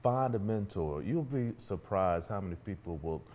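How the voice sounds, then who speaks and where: Man, middle-aged, African American accent, deep voice, casual interview talk, earnest, encouraging. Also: lively intonation, normal speed, a little mellow. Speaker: podcast guest, entrepreneur and author.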